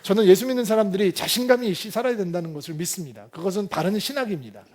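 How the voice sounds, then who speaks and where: A man's voice: high voice, lively intonation, racing, a little mellow. A male pastor preaching a sermon, asking the congregation pointed rhetorical questions with emphatic delivery.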